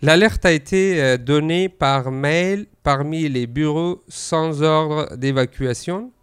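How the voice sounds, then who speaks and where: A man's voice: a little high, slow pace, clean tone. A man whose first language is Arabic, reading a news item on a talk show with some hesitations. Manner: reads with hesitations and fillers. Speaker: news segment presenter.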